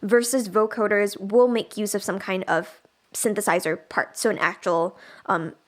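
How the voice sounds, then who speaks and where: During a casual livestream software tutorial, a woman trainer teaches music production, chatting and thinking aloud as she demonstrates. Her mid-range voice keeps a fairly even intonation at a moderate pace.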